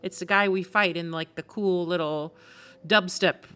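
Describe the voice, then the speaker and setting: A woman's voice: lowish voice, steady tone, measured pace, a bit bright, clean tone. A woman game streamer giving casual live reactions, musing aloud in a conversational way.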